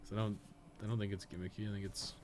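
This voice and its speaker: A game streamer who also co-hosts a podcast gives casual, rambling live commentary as he plays, swearing now and then. His voice is lowish and level, his pace racing, and the background is noisy.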